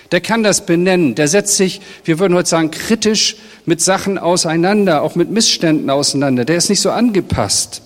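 A middle-aged man, a pastor, giving a sermon in a direct, conversational way and speaking straight to his congregation. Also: on the high side. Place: church hall. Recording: long reverb of a church hall.

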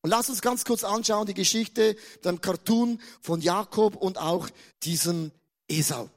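A Swiss man preaches with a notably high voice, playful and chatty. He stumbles into quick repetitions and banters with his listeners. His Swiss German accent is plain throughout. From Switzerland. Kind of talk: lively humorous sermon.

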